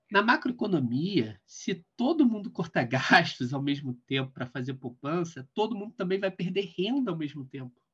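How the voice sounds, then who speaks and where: A man's fairly high-pitched voice, bright and sharp in tone, with very wide pitch swings and a fairly slow pace over a quiet background. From Brazil. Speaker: economist; guest. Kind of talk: interview. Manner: explanatory, didactic. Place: home room. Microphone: webcam.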